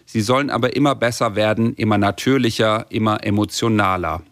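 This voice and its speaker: Low-voiced male radio reporter. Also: brisk, fairly bright tone, no room sound, clean studio sound. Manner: plain, matter-of-fact, lightly wry. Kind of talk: radio news feature narration.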